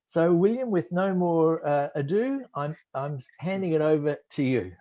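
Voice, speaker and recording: A man hosting a webinar, introducing a guest in an unhurried way with many pauses, over a video call. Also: on the high side, lively intonation. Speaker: webinar host. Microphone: computer mic on video call. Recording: dull lo-fi video call audio.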